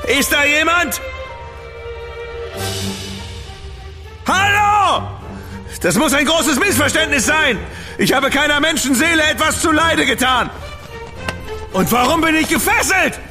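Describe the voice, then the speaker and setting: A man's voice: extremely high pitch, lively intonation, unhurried, pushed and bright, faint music behind, exaggerated voice. An actor playing a refined dandy writer in a radio play, haughty and indignant toward his captors. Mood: alarmed. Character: indignant refined male dandy writer, proud and sharp-tongued.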